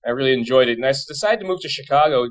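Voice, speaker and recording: Man, 30s, from Boston, casual interview guest, very quick informal talker. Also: mid-range voice, lively intonation. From Boston area, United States. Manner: chatty, informal. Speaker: interview guest, pub trivia company owner.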